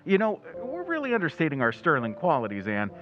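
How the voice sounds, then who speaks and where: A man plays a grumbling, wisecracking press photographer in an old-time radio drama. He swings widely in pitch, mixing slang with mock-grand phrases. The sound is slightly muffled. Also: wildly swooping pitch, a little fast, faint music behind. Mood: wry, joking.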